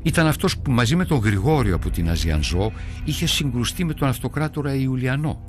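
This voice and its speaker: Soft music plays beneath an actor narrating a documentary as a devout early-Christian man. In an earnest, prayerful, brooding first person, he tells of hard times and a crisis of faith, his medium-pitched voice expressive and lightly acted.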